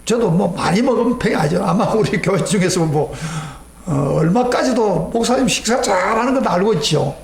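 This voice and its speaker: Middle-aged male pastor, fairly high voice, emphatic storytelling sermon, reverberant sanctuary sound. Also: animated, fairly quick, creaky. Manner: emphatic storytelling, acting out his own prayers; sweeping pitch, rising near a shout then dropping low. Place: church sanctuary.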